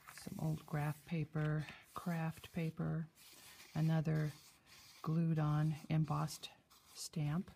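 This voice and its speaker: A woman speaks quietly at a very slow pace with a very deep, low pitch, in a monotone, flat intonation. Long, frequent pauses break her speech over light background noise. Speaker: crafter, journal maker. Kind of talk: craft tutorial show-and-tell. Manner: quiet, low-volume. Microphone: phone near.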